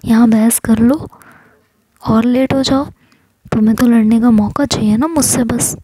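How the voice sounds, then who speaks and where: A woman's voice: a little high, steady tone, a little slow, slightly rough, no room sound, rough recording. Rabia, a woman whispering a bossy teasing girl. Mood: scolding. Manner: sharp-tongued, scolding. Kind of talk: whispered role-play.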